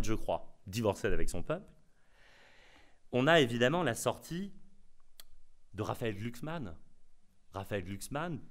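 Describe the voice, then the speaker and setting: A man giving a conference lecture, ironic and emphatic, often repeating his key phrases. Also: medium pitch. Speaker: conference speaker.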